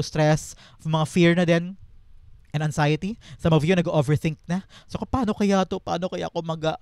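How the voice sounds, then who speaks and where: A man's voice: fairly high pitch, darkish tone, no echo. A man with a Filipino accent giving an earnest, emphatic tarot reading to camera, repeating words for stress. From Philippines. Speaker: tarot reader.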